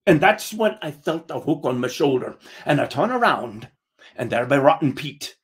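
A man telling a comic first-person pirate tale in a deliberate, theatrical manner. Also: fairly high pitch, sing-song. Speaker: storyteller.

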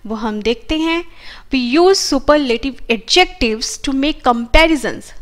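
A woman teaches grammar in an Indian English accent, going over each rule patiently and repeating her examples. Her voice sits high. She speaks at an unhurried, deliberate pace. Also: a bit bright. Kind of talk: explaining a grammar lesson in Hindi with English terms.

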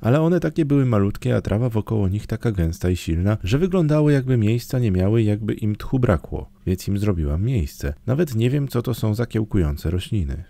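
A man's voice: expressive, brisk, vocal fry, hardly any pauses, no room sound. An eager little girl, as a man puts her on. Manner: raised, bright girlish pitch. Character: eager young girl, curious and excitable.

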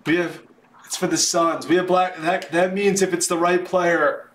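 High-pitched excitable man hosting a card break. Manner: excitable, drawn-out announcing of names. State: voice starting to give out. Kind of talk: live sports card break commentary. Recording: roomy echo, background noise.

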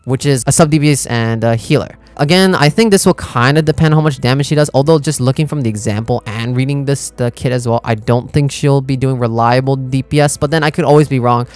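A young man reacting to game content as a streamer, reading bits aloud and thinking out loud in an informal way. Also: medium pitch, brisk, hardly any pauses. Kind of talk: casual reaction commentary, partly reading aloud.

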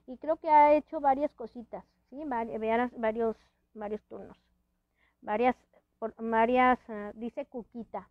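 A woman's voice: a little high, dry recording, dull audio. A woman hosting a casual live-stream chat from a friend's house, rambling with many restarts and little laughs, her speech a bit hampered by a dental palate. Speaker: host.

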